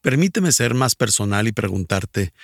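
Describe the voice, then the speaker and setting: A man's voice: on the low side, sing-song, normal speed, creaky, dry recording, studio quality. A man preaching a recorded sermon in Spanish, earnest and asking listeners direct questions.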